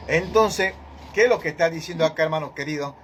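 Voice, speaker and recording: Male Bible study leader, emphatic and questioning, pitched a bit high, faint background hiss. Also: fast. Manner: questioning, emphatic, addresses group directly.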